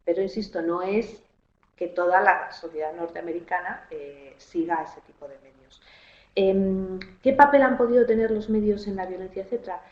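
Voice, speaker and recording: A woman political analyst giving a measured, analytical answer in a webinar over a video call. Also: mid-range voice, a little mellow. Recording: roomy, dull online audio.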